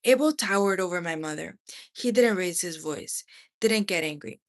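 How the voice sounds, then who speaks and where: A woman reading a memoir aloud as expressive narration, in deliberate phrases with dramatic pauses. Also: on the low side. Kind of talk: expressive audiobook-style narration.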